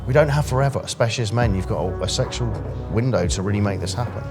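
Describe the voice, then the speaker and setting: A man in his late thirties, a dating coach chatting on the street and then giving a blunt sales pitch. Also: fast, music in the background. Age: 30s. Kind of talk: street approach conversation and direct pitch to camera.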